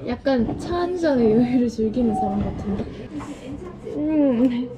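A woman's voice: on the high side, unhurried, over a noisy crowd. A young woman chatting playfully and teasing her bandmates in a backstage vlog, wearing a headset mic. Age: young adult. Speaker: idol group member. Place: backstage waiting room. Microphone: headset mic, handheld camera.

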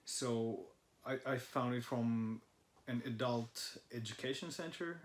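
A young Finnish man, a native speaker of Finnish, hosts a relaxed language-study vlog from his living room sofa, speaking slowly in a mid-range voice and thinking aloud with fillers. The camera sits in front of the couch.

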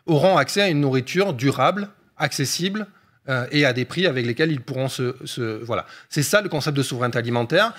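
A man's voice: mid-range voice, a bit bright. A man, an economist guest on a discussion show, explaining at length with frequent hesitation fillers.

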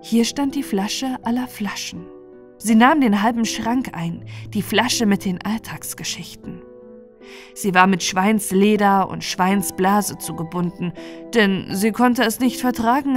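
A woman reading a fairy tale as narrator, in an expressive scripted storytelling style. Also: on the high side. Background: soft music.

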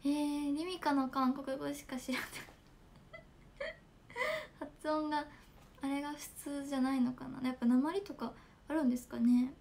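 Giggly high-voiced young woman streamer. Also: little pitch movement, moderate pace, gravelly, pauses often, a little mellow, slight background noise. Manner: giggly, chatty, reads fan comments. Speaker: idol livestreamer. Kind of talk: casual livestream chat. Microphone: smartphone.

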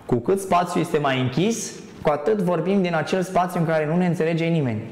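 A man's voice: a little high, a little mellow, echoey room. A man as a guest on a TV talk show, speaking earnestly about spirituality and hesitating with many fillers. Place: TV studio.

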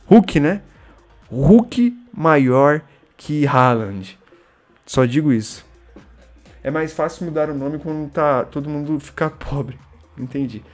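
A young man with a Brazilian Portuguese accent, giving slangy live commentary on a game stream, chatting with viewers and erupting into shouts. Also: on the high side, animated, slow, long pauses, soft background music.

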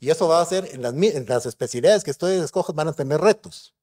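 Man, middle-aged, neurosurgeon, conference lecture, warm low-toned voice, conversational, rhetorical questions. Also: lively intonation, fast talker. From Guatemala. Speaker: neurosurgeon giving a conference talk.

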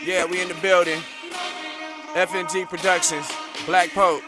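A man rapping a boastful verse in a steady chanted flow on a played hip hop track. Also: sits high, moderate pace, over music. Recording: rap track with loud beat.

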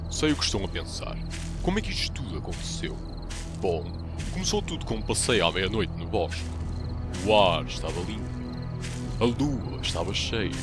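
A man voicing a sarcastic, bloodthirsty male vampire in a comedic anime parody dub, with a European Portuguese accent and flippant, mocking delivery. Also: low voice. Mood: smug narration. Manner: mocking, flippant, swinging into sudden outbursts. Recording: loud music behind voice.

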